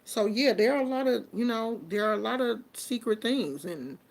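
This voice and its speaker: A woman in her 50s hosts a casual live chat with viewers, keeping things chatty and informal with colloquial phrasing. Her voice is fairly high-pitched and creaky, at a moderate pace, on a rough recording.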